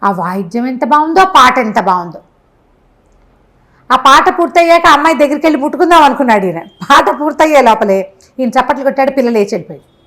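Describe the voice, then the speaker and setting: A woman telling a moral tale in an animated, conversational way, stressing things by repetition and acting out the dialogue. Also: high-pitched, fast. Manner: expressive, acts out dialogue, emphatic repetition. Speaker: storyteller.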